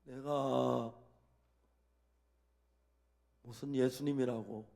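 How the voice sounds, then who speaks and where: A man's voice: medium pitch, fairly even intonation, unhurried, gravelly, a little mellow. A man preaching a sermon as a pastor, telling a story and acting out the dialogue in it.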